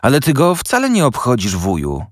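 Cheerful young man, quick and eager, lively lifts, voiced by a man. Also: mid-range voice, no echo, clean studio sound, voice pushed up. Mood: gently pleading. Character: cheerful young man, warm-hearted nephew.

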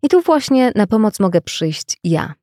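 A woman giving a measured, reflective reading of scripted self-help narration. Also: mid-range voice, very animated, mellow, no echo, clean studio sound.

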